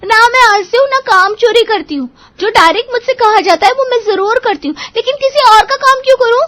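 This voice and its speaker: A woman voicing a defiant youngest daughter-in-law in a storybook tale, with a shrill, argumentative voice. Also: brisk. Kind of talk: storybook character voice.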